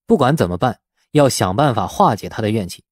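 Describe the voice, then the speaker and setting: A man's voice: fairly low pitch, lively intonation, brisk, dry recording, studio quality. A man narrating a novel as a scripted, dramatic audiobook.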